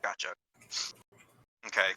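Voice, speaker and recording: A man playing a tabletop game, describing his character in a halting, think-aloud way. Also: pushed and bright, no echo, rough recording. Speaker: player.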